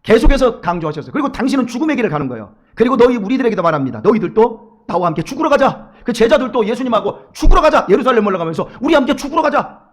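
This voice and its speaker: A male pastor preaching a sermon in a church, acting out quoted voices and swinging between loud urging and hushed asides. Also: extremely high pitch, sing-song, racing. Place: church sanctuary.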